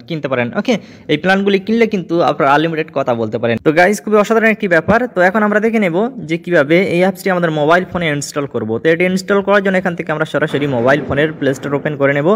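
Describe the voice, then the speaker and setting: A man narrates an app tutorial as its host. His voice sits high for a man and he races through each step at an extremely quick pace. English words are sprinkled through his instructions. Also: animated.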